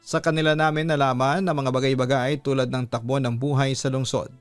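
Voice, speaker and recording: A man's voice: medium pitch, flat delivery, a little fast, clean tone, dry recording, faint music behind. A man with a Filipino accent hosting a story show, reading out a listener's letter as scripted narration.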